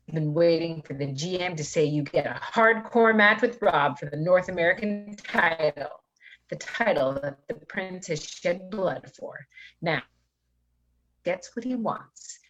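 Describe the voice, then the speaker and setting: A woman reads scripted stage directions as the narrator of an amateur read-through. Her voice sits on the low side. The sound is somewhat dull and lo-fi.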